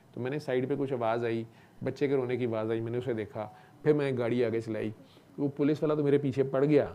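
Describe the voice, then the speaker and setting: A man telling a long personal story in a relaxed, conversational way. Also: medium pitch, slight background noise. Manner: relaxed conversational, often asks "okay?". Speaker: doctor. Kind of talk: casual storytelling talk.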